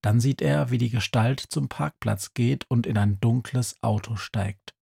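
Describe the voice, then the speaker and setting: A man narrating a children's audiobook in a calm, measured way, with a husky voice. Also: medium pitch.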